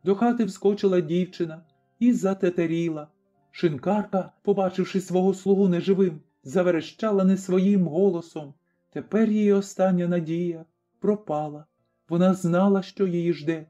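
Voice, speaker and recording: A man reading an audiobook story aloud in a measured, dramatic narration. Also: sits high, steady tone, dark tone. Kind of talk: scripted narration. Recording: slightly dull recording, faint music.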